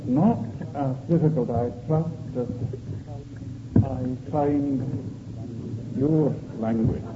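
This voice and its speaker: A man with a Scottish Highland accent speaking as a preacher in a formal, deliberate, solemn manner. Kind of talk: sermon and solemn scripture reading. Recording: muffled recording with congregation noise.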